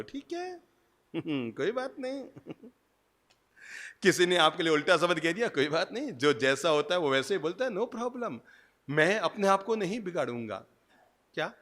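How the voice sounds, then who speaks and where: Male preacher with a slight lilt, animated and bright, delivering a sermon with long hall reverb. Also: medium pitch. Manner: animated storytelling with dramatic swings in volume. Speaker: spiritual preacher. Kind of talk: Hindi discourse sermon.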